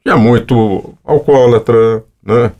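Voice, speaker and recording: A man's voice: medium pitch, slow pace, darkish tone, lo-fi sound. A Brazilian man in his seventies, a voice-over artist, telling long casual stories in an interview. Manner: rambling, anecdotal, with frequent fillers.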